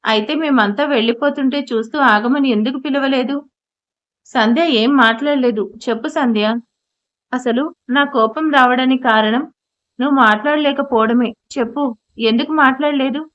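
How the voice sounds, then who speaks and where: Young husband begging then pushing hard, read by a lady, fairly high voice, dull lo-fi sound. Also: moderate pace, a bit bright. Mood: demanding. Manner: pleading, then demanding. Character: anguished young husband pleading. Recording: dull lo-fi audio.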